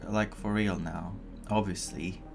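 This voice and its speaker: A man giving casual, animated, rambling reactions as he plays through a game. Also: on the low side, a little slow, creaky. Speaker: gaming streamer. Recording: game music under the commentary. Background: game music.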